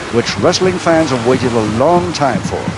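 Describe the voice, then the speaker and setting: There is noticeable background noise. Over it, a man's pitch swings very widely. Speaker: wrestling commentator. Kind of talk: live sports commentary.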